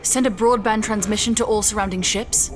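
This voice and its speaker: A woman's voice: medium pitch, steady tone, fairly quick, slight background noise, lightly acted. Determined captive doctor played by a woman. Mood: urgent, hushed. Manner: crisp, urgent, serious. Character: determined, defiant female doctor held captive. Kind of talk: science fiction audio drama acting.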